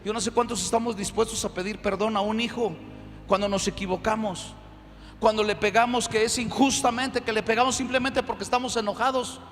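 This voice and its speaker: A man preaching a sermon as pastor, emphatic and animated, in a church. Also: high voice, a little fast, big-room sound.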